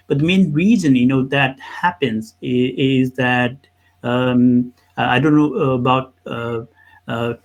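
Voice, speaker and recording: Man from Nepal, halting storyteller. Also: mid-range voice. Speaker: accountant and business owner, interview guest. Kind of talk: conversational interview, personal storytelling.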